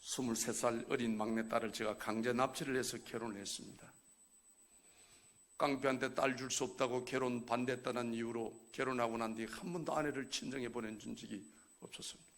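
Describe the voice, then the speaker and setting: A middle-aged man, a church elder, giving an emotional testimony sermon that swings from hushed pleading to loud exhortation. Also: medium pitch, fairly even intonation, fairly quick.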